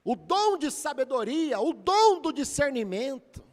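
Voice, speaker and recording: High-voiced Brazilian pastor preaching. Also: male voice, sing-song, a little slow. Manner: dramatic, emotional retelling with rising and falling intensity. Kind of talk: storytelling sermon. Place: church. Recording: echoey church hall.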